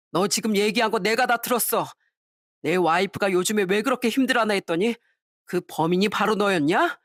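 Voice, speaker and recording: A woman's voice: medium pitch, fairly bright tone, no echo, studio quality, natural voice. Woman voicing a furious husband scolding. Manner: harsh, scolding, commanding. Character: angry middle-aged husband defending his wife. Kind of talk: dramatized story reading.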